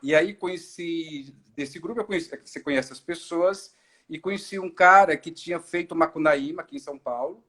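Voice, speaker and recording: A middle-aged man from Ceará, an actor and director, telling his story in a relaxed live-stream interview, with many fillers and restarts. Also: on the high side, normal speed. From Ceará, Brazil. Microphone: video call.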